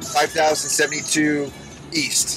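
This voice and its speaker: Over clear music in the background, a man talks at a very slow pace in a dry sound with no echo. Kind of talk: casual vlog chat. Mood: joking, amused. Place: car. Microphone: phone near.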